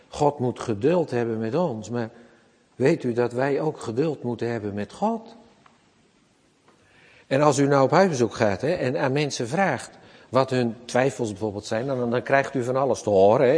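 A man's voice: medium pitch, a little mellow, breathy edge, long reverb tail. A man preaching a sermon, speaking emphatically and addressing the congregation directly.

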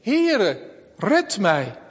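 A man's voice: high-pitched, big pitch swings, moderate pace, husky, long reverb tail, heavily acted. A pastor reading as an earnest, pleading fisherman. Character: the apostle Peter, bold but frightened fisherman. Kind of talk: scripture reading.

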